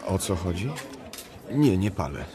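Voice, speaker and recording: A man's voice: low-pitched, big pitch swings, a little slow, warm tone. An actor playing a bewildered, polite male bookseller in a radio drama. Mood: polite, wary.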